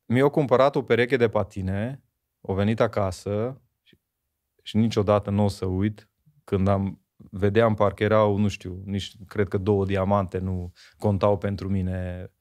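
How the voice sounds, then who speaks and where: This is a man in his forties from Miercurea Ciuc in Romania, once a speed skater, now talking as a podcast guest. His voice sits on the low side, a little mellow, with a flat delivery, and he reflects thoughtfully while frequently asking "you know?".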